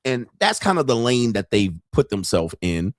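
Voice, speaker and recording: A man's voice: mid-range voice, big pitch swings, normal speed, no room sound, clean studio sound. A man hosting a casual commentary livestream, joking and rambling in slangy talk. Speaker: podcast host.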